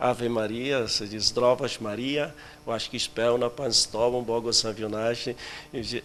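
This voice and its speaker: With a Polish accent, a man talks at a moderate pace in a medium pitch and a bright, sharp tone. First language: Polish (speaking Portuguese). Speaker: university rector. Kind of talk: recorded interview.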